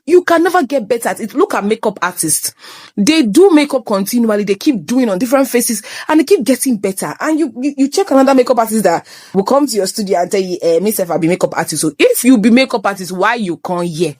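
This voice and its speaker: Animated Nigerian woman with a teasing, scolding edge. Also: medium pitch, dry recording. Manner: switches between English and Pidgin, teasing and scolding. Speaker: host. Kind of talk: motivational talk. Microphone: phone.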